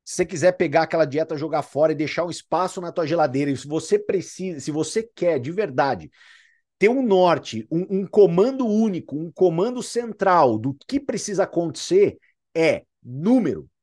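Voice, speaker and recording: A man's voice: a little high, lively intonation, normal speed, darkish tone. Brazilian guy, sales mentor, pumped up motivational talk, keeps repeating himself for emphasis. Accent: Brazilian Portuguese. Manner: emphatic, repetitive, fired-up.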